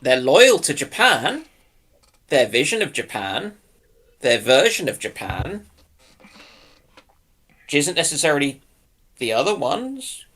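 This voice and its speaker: A man's voice: on the high side, huge pitch swings, slow, pauses often, a bit bright. A man taking part as a panelist in an informal discussion, offering examples and opinions.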